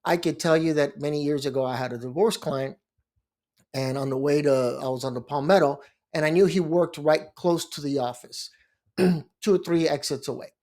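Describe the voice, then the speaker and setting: Middle-aged lawyer from Miami, slightly high voice, easygoing rambling monologue. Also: male voice, steady tone, normal speed, darkish tone. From Miami, Florida. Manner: chatty, rambling, frequent restarts and asides. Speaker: bankruptcy lawyer and blog host. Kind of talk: casual monologue to camera.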